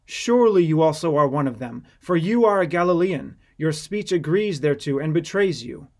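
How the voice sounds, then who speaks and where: A man's voice: a little high, animated, normal speed. A man voicing an accusing servant in a scripture audiobook, pointed and insistent. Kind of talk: dramatized scripture audiobook reading.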